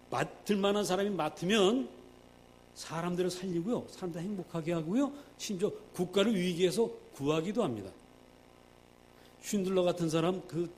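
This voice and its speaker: A male pastor preaching a sermon, emphatic, swinging between loud and hushed, acting out quoted prayers. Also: high-pitched, a little hiss or hum.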